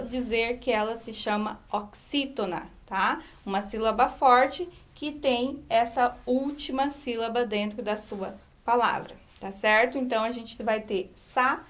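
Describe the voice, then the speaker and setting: A woman's voice: fairly high pitch, a little slow, hardly any pauses. A woman teacher giving a recorded online grammar lesson, explaining patiently and checking in with her students as she goes.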